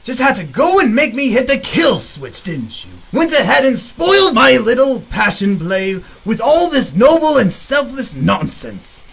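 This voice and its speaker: Crazy evil clown villain, super high bright voice swooping everywhere, taunting, radio drama. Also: male voice, sing-song, measured pace, vocal fry, hardly any pauses, exaggerated voice, low-quality recording. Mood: mock-sweet menace. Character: manic sadistic clown supervillain, gleefully cruel, taunting.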